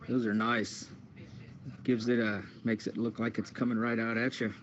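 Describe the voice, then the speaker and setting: A man's voice: on the low side, level tone, moderate pace. A man chatting casually as a participant on a talk show. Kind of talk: casual chat. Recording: muffled lo-fi radio-app audio, noisy background.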